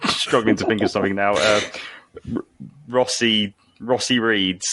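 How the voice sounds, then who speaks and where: A man at medium pitch and moderate pace, monotone and flat, very even in loudness, with long, frequent pauses. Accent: British. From Britain. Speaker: podcast host. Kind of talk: casual chat.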